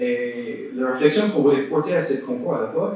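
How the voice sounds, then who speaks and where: Noticeable background noise and audible room echo accompany a man with an American accent and a fairly high pitch. He talks at a moderate pace with lively intonation. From United States. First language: English (speaking French). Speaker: architect. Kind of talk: lecture. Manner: halting, many hesitations.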